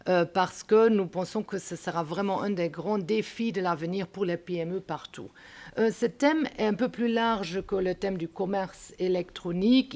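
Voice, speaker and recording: Female economist, non-native speaker, measured and halting delivery, gravelly texture. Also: on the low side, a little mellow. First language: not French. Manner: careful, deliberate, searching for words. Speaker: panelist, economist. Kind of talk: panel talk.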